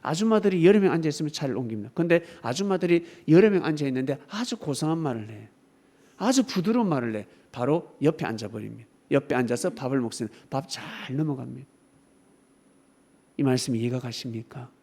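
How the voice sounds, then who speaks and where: A male pastor preaching a sermon, emphatic and swinging between loud exclamations and softer asides, often asking the congregation rhetorical questions. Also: medium pitch, expressive, fast.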